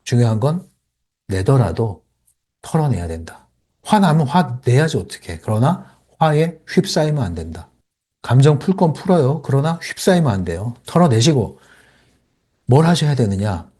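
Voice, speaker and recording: A man's voice: mid-range voice, very animated, moderate pace, mellow, husky. A man hosting a spoken book lecture, emphatic and acting out inner thoughts as he explains. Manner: emphatic, acts out inner monologue with sighs and asides. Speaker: channel host explaining a self-help book.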